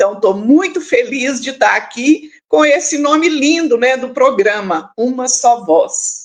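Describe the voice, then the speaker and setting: Her pitch high and her intonation lively, a woman speaks at a very slow pace with hardly any pauses. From Minas Gerais, Brazil (Bom Despacho). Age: 70s. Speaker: author. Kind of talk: interview.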